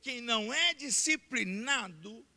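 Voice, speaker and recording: High gravelly Brazilian pastor preaching. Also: male voice, lively intonation, takes it slowly. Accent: Brazilian Portuguese. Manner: repeats key points, rising to loud emphatic declarations. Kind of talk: sermon. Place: church sanctuary. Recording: long church hall reverb.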